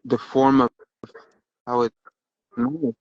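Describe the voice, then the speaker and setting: A man musing philosophically in casual talk, pausing often with ums and uhs. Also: medium pitch, wildly swooping pitch, vocal fry, no room sound, dull audio. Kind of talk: casual conversation.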